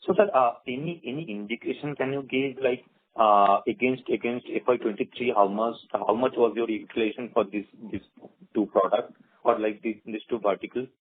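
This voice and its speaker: Halting Indian man on a phone line. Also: medium pitch, steady tone, a little hiss or hum. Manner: halting, repeats words. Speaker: individual investor asking questions. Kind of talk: earnings call questioning. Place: phone call. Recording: tinny phone line, radio-like.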